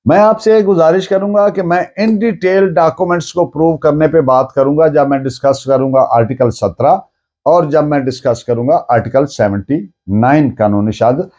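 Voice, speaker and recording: A man with a Pakistani accent lecturing on law in a didactic, deliberate way, restating points in plain words and mixing in English terms. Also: a little high, a little mellow.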